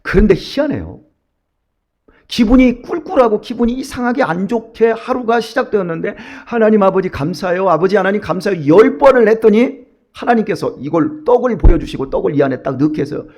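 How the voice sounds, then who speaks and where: A male pastor preaching an early-morning sermon, telling a personal story and acting out his own thoughts and prayers with animated delivery. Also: high-pitched, fairly quick.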